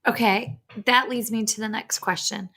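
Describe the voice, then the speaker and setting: Chatty woman host, bright voice. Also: a little high, steady tone, normal speed, vocal fry. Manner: chatty, self-deprecating, laughs easily. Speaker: podcast host. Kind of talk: conversational podcast interview.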